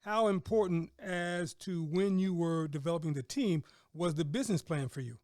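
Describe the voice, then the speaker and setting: A man's voice: on the high side, normal speed, darkish tone, dry recording, clean studio sound. A middle-aged man hosting a conversational interview, affirming and repeating words and phrases for emphasis. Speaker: podcast host and business mentor.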